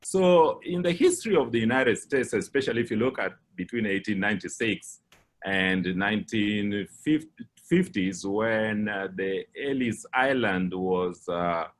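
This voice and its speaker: Low-voiced Kenyan man, measured speech. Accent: Kenyan English. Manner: measured, with frequent uh fillers and restarts. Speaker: guest speaker. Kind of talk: personal account in a lecture talk.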